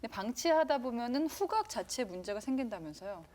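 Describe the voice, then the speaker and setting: A woman's voice: fairly high pitch, big pitch swings, fast, darkish tone. A woman announcer hosting a broadcast health talk show, polished and attentive, with frequent brief acknowledgments. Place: TV studio.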